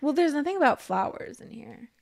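A woman's voice: sits high, big pitch swings, a little fast, creaky, darkish tone. A young woman co-hosting a podcast in casual chat, laughing often and rambling with fillers. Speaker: podcast co-host.

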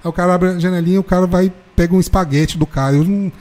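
A man telling an animated, slangy story in casual chat, peppering it with "velho". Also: sits high, very fast. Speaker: football fan telling a story.

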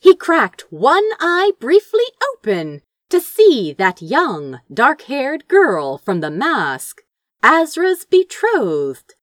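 A woman narrates a story in a high voice with hugely animated intonation. She takes an unhurried pace and reads with theatrical expression. The sound is dry and close. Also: dry recording. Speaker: audiobook reader of fan fiction. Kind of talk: dramatic scripted narration, fiction read aloud.

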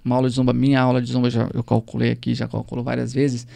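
A man, a zumba instructor guest, telling stories in a lively way and acting out dialogue. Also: medium pitch, racing, gravelly. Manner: lively, acts out quoted dialogue. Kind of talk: animated storytelling in conversation.

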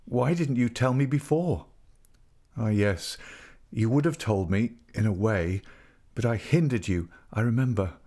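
A man's voice: medium pitch, a little slow, warm tone. A man playing a stunned, rigid young husband, grave and incredulous, in a dramatic audiobook reading. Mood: dazed. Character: stunned, rigid young husband, coldly rejecting his wife.

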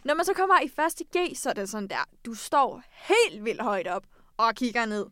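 A woman's voice: fairly high pitch, big pitch swings, sharp tone, no room sound, studio quality. A teenage girl co-hosting a podcast, chatting playfully and spinning vivid, rambling comparisons. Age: late teens. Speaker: podcast co-host. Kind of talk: casual chat.

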